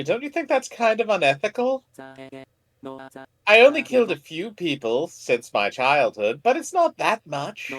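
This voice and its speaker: A man's voice: high-pitched, a bit bright, exaggerated voice. A man playing a weary, casually amoral serial killer housemate in a game, pleading in a matter-of-fact way.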